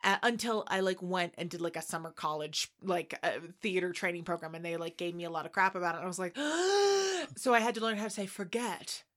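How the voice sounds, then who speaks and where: Texan-raised woman, bright voice, animated storyteller, chatty podcast vibe. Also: fairly low pitch, fairly quick, few pauses. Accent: mostly neutral American with slight Texan traces. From Texas, USA. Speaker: podcast co-host. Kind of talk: casual chat about a film.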